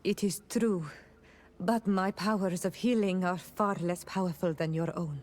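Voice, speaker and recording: A woman's voice: lowish voice, steady tone, a little slow, a little mellow, close to an everyday voice. A woman playing a proud, earnest young tribal healer in a video game, formal and respectful. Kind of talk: video game cutscene acting.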